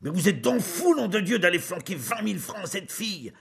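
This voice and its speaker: A man voicing an angry, greedy young husband who shouts indignantly in an audiobook. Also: lowish voice, sing-song, normal speed, vocal fry, breathy edge, heavily acted. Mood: furious shouting.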